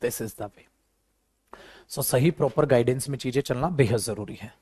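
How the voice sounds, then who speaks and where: With a breathy edge to his medium-pitched voice, a man leads a live spoken English class a little slowly, chatting energetically, repeating himself, and calling each student "beta." The recording has no echo.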